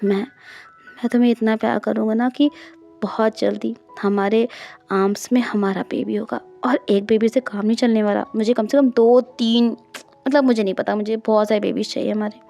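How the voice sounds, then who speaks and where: A woman voicing a doting, seductive husband in an audiobook, with a low, hushed, coaxing delivery. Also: fairly even intonation, moderate pace, gravelly, soft background music. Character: adult man, doting, seductive, pleading husband.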